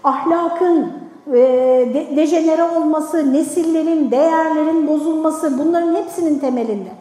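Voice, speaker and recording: A woman's voice: high-pitched, moderate pace, dark tone. An older woman, a retired preacher from Turkey, giving an emphatic sermon talk in a mosque, repeating her key words and asking rhetorical questions. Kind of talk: sermon talk to a women's group. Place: large mosque hall. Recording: echoey mosque hall.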